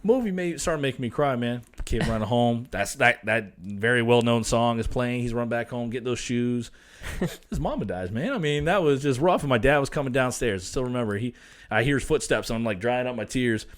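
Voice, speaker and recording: A man's voice: mid-range voice, fairly quick. A man in his twenties co-hosting a sports podcast as the coach, telling stories in a laid-back way and laughing often. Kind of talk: casual sports chat.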